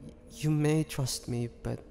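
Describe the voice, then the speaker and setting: A man voicing a starving, tormented vampire in a dramatic audio roleplay, speaking haltingly with breathy sighs. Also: fairly high pitch, fairly even intonation, mellow. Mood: pleading, tempted. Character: starving young male vampire, tormented, pleading, fighting bloodthirst. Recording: long echoing reverb, faint background noise.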